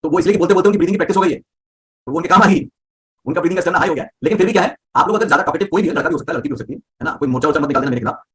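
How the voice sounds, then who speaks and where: Male voice teacher, quick and slightly high, explains with simple examples. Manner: explains with everyday examples and checks understanding. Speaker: voice coach. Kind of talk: live online class.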